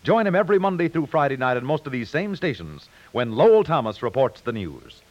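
A man with an American accent reading scripted 1950s radio announcements in a formal, emphatic, measured way. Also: medium pitch, big pitch swings, no echo. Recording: muffled 1950s radio broadcast.

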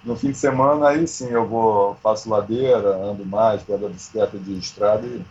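A man of around sixty with a husky voice, chatting informally and slangily as he tells stories. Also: lowish voice, normal speed, a little mellow, dull audio. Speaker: amateur triathlete, interview guest. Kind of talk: casual chat, storytelling.

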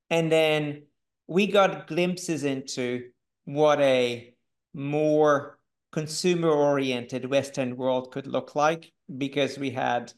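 A man in his fifties from Hungary, with a Hungarian accent, answering interview questions in a thoughtful, unhurried way with pauses. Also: on the high side. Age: 50s. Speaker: guest. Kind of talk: conversational interview.

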